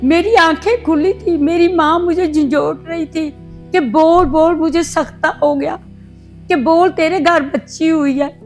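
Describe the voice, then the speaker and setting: A woman's voice: very high voice, measured pace. An older woman, sharing a painful life story with heartfelt emotion. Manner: heartfelt, reliving painful memories. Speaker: interviewee telling her life story. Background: soft background music.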